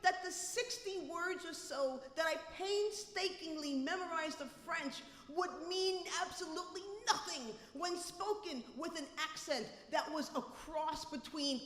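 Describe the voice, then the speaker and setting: High-voiced New woman telling a story. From New York City. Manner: animated, wry, comic asides. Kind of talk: live personal storytelling. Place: live venue, reverberant room. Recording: echoey hall reverb.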